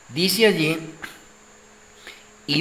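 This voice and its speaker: Very slow delivery from a man, amid clear room reverberation and obvious background noise. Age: 60s. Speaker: religious teacher. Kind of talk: sermon.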